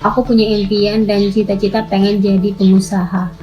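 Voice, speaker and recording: Casual young homemaker, faint music. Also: female voice, mid-range voice, level tone, normal speed, lo-fi sound. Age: 20s. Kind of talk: interview testimonial.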